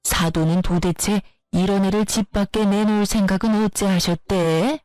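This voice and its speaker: A woman voicing a scornful, bullying older mother-in-law who scolds and insults her daughter-in-law in a lower, slower voice. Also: steady tone, darkish tone, no echo, soft background music, close to an everyday voice.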